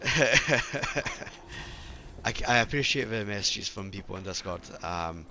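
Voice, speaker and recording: A man's voice: low-pitched, a little fast, pushed and bright. A man hosting a gaming channel, chatting casually over gameplay with a sore, failing throat, rambling and apologetic, often correcting himself. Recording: game music playing behind.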